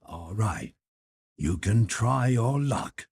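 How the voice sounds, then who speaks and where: A composed submarine captain in an adventure audiobook, read by a male narrator. He is courteous and commanding, speaking slowly and formally in a lowish, very husky voice. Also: expressive, darkish tone, no echo, clean studio sound, exaggerated voice. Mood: coolly inviting.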